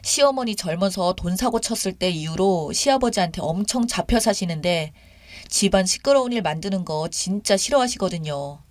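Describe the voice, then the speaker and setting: A woman's voice: mid-range voice, animated, moderate pace, a little mellow, no echo. A woman in her thirties reading a first-person story in an indignant, conversational, complaining way.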